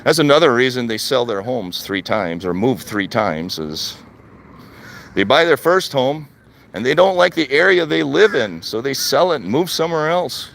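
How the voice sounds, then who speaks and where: A man's voice: medium pitch, big pitch swings, moderate pace, creaky, fairly bright tone. An older man from Wisconsin, chatting casually on a live stream while walking outdoors. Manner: plain, conversational, repeats his points. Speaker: vlogger. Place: outdoors, walking in a retirement community.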